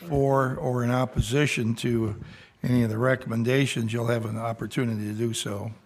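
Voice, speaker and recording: A man's voice: mid-range voice, fairly even intonation, a little fast. An American man presiding as county judge over a local government meeting in a formal, procedural way.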